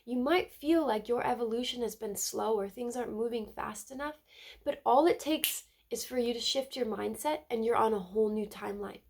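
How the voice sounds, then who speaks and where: A woman's voice: a little high, moderate pace, creaky, a little mellow. A woman with a stuffy cold giving an earnest, casual spiritual card reading, often repeating words and adding "right?". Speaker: spiritual tarot reader.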